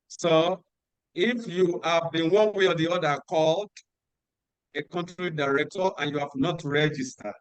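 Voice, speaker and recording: A man hosting an online workshop on a video call, giving instructions and repeating key details slowly. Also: fairly high pitch, dry recording, low-quality recording. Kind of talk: announcements at an online meeting.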